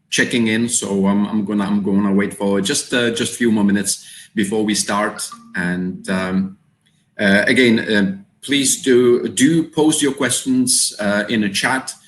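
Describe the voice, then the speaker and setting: A man from the Czech Republic with a Czech accent, hosting a live webinar and speaking hesitantly with many fillers and repeated words. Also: lowish voice. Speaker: webinar host. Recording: roomy echo.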